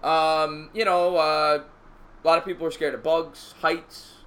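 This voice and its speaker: A man's voice: on the high side, little pitch movement, slow pace, a bit bright, clean tone. Stammering male call-in show host. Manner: stammering, repeats words before getting going. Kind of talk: casual call-in chat.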